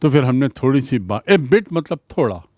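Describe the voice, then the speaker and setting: A male English teacher giving a lesson in Hindi, reading English lines slowly and then explaining them word by word. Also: medium pitch, big pitch swings, a little mellow, dry recording.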